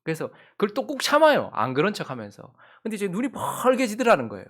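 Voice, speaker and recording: A middle-aged male pastor preaches a Sunday sermon in a church. His voice sits a little high and swings widely in pitch as he tells a story. He acts out the quotes and leads the congregation in reading scripture aloud. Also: wildly swooping pitch, quick pace, a bit bright. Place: church sanctuary.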